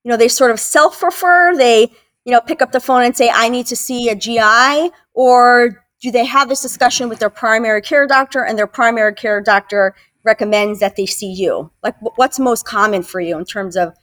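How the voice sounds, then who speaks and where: A woman's voice: a little high, moderate pace, a bit bright. A woman hosting a medical interview, asking questions and confirming answers. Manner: inquisitive, confirming, friendly follow-ups.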